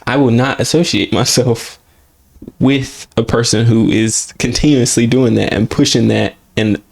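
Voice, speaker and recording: A man's voice: mid-range voice, fairly even intonation, a little slow, vocal fry, slightly rough. A man co-hosting a podcast, speaking in an earnest, emphatic, reflective way in casual chat. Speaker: podcast co-host.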